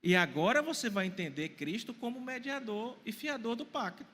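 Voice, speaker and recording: A man's voice: very high-pitched, animated, moderate pace, fairly bright tone, long reverb tail. A man in his forties preaching a sermon to a congregation, putting questions to them and answering them himself. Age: 40s. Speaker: pastor. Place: church hall.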